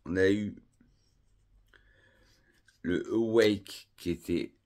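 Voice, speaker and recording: A man from France reviewing perfumes in a casual vlog, calmly and unhurriedly listing scent notes one by one. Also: low-pitched, very slow.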